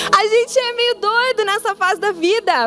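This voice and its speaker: Her tone animated, a woman speaks at a moderate pace in an extremely high pitch with ordinary pitch variation over noticeable background noise. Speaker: missionary preacher. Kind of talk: sermon to youth group. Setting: church service with audience.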